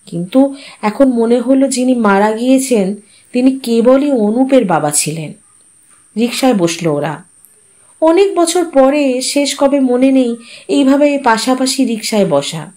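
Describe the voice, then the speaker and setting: Calm woman narrator, story channel host, reading a short story aloud, slightly high voice, even storytelling pace.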